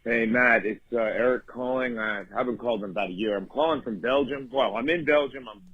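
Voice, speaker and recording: A man leaves a voicemail, halting and restarting as he talks. His voice is husky, and the phone recording sounds dull, lo-fi and dry. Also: mid-range voice, no room sound. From Long Island, New York. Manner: hesitant, halting with repeated restarts. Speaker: caller.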